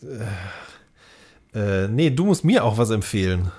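A man's voice: on the low side, very animated, unhurried, a little mellow. A man co-hosting a podcast in casual chat, often searching for words in a hesitant way. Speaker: podcast co-host; music journalist.

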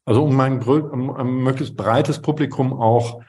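A man hosts a podcast interview in a dark, mellow voice. He asks loose, halting questions, searches for words with lots of fillers, and now and then drops in a joke. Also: mid-range voice, fairly even intonation, breathy edge. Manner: casual, hesitant questions with many fillers, joking.

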